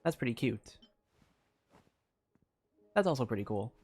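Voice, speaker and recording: Casting: a man as a laid-back game streamer, medium pitch, meandering off-the-cuff chat over soft music. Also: sing-song, a little slow, slightly rough. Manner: rambling, distracted, thinking aloud. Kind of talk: casual live stream chat while gaming. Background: video game music.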